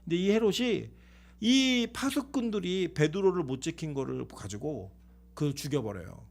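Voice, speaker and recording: A man's voice: on the high side, normal speed, creaky. A man preaching a sermon as pastor, telling stories animatedly, acting out the people in them and putting questions to the congregation before answering them himself. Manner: animated storytelling, acts out quoted people.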